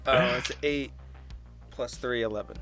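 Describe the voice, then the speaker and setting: A man's voice: mid-range voice, steady tone, unhurried, music in the background. A man playing a tabletop game, chatting casually in a hesitant, rambling, joking manner.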